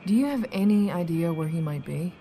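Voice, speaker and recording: Low-voiced, brisk female federal agent. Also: expressive, warm tone, slight background noise. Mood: businesslike. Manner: businesslike, polite but commanding. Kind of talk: audio drama acting.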